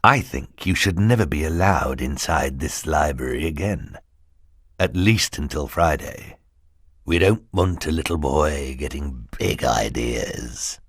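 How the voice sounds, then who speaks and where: A man voicing a cruel hook-handed henchman with a croaking voice in an audiobook, speaking in a low threatening whisper. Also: a little slow, no echo, clean studio sound, exaggerated voice. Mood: sneering. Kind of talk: audiobook character voice.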